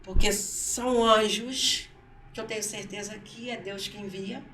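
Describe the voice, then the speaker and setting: A woman's voice: mid-range voice, steady tone, measured pace, roomy sound, distant mic, heavy background noise. A mother telling a personal story in an interview. She acts out her son's words and often repeats herself. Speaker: guest, mother. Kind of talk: emotional personal testimony in interview. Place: council studio.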